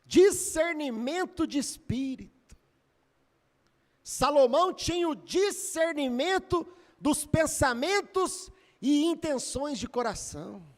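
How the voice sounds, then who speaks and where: High-voiced Brazilian pastor preaching. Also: male voice, lively intonation, slow. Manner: dramatic, emotional retelling with rising and falling intensity. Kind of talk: storytelling sermon. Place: church. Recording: echoey church hall.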